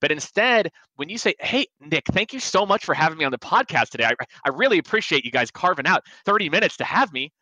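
A man's voice: fairly high pitch, lively intonation, fast, hardly any pauses, sharp tone, no room sound, rough recording. A man in his forties, a sales expert guest on a podcast, giving emphatic advice and acting out quoted lines. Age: 40s.

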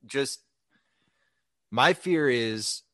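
A young man co-hosting a podcast, chatting casually in a blunt, profane, animated way. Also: medium pitch, drawn-out words, no echo, studio quality. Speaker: podcast co-host.

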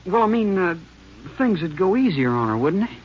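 An uneasy young small-town American in a radio western, with a fairly high voice. He speaks haltingly and pleadingly. The old recording is muffled. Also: very animated, slight background noise. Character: nervous, hesitant young small-town man under questioning. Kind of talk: 1950s radio acting.

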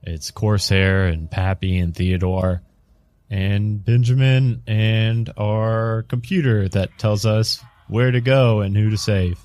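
A man playing a rambling mission handler who dodges questions, starting sentences over and over. His voice sits fairly low and sounds dry and close, with no room around it. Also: steady tone, slow, darkish tone, no room sound. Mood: evasive. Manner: rambling and hesitant, many restarts.

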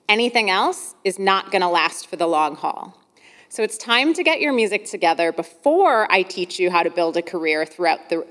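A woman with a medium-pitched voice speaks as a podcast host. She is encouraging and emphatic, and her voice carries a long, hall-like reverb. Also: a bit bright. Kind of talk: scripted monologue, then conversational interviewing.

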